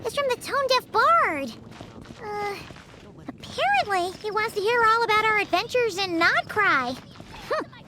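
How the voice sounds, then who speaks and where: A woman voicing a tiny, excitable, cheeky childlike fairy companion in a video game, with a squeaky voice and exclamatory delivery. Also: measured pace, very noisy. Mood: excited, curious. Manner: exclamatory, refers to self in third person. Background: background music.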